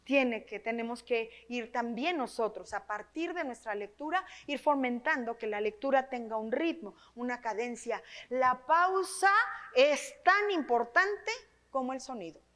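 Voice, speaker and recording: A woman's voice: a little high, measured pace. A woman with a Mexican accent leading a workshop for teachers, talking with a trained, projected voice and often checking in with her listeners. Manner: lively, tags phrases with questions to the audience. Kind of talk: teaching workshop on reading aloud. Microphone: microphone.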